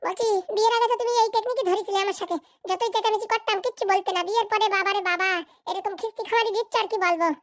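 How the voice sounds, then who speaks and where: A woman voicing a sharp-tongued village wife and mother in a comedy cartoon, needling sarcastically. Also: very high-pitched, steady tone, rapid-fire, dry recording, studio quality. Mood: nagging, mocking.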